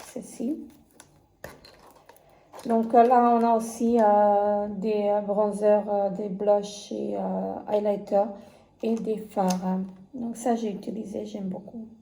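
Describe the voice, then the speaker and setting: A woman talks slowly through her makeup palette collection in a casual review, stopping often with fillers and restarts. Her voice is soft and mellow. The room gives it a noticeable echo, with a faint hiss behind. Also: mid-range voice, little pitch movement, creaky. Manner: halting, many fillers and restarts. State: has conjunctivitis. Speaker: beauty vlogger.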